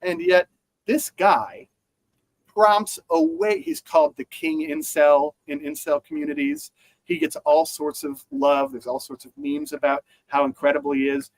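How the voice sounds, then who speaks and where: A man's voice: on the high side, very animated, a little slow, gravelly, no echo, rough recording. A man co-hosting a podcast, talking through news in a rambling casual way with many fillers and restarts. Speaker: podcast co-host.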